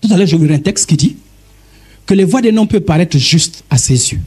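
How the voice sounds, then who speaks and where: A man preaching a sermon, emphatic and addressing listeners directly, with a husky voice. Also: fairly high pitch, lively intonation, fairly quick, a little mellow. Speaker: pastor.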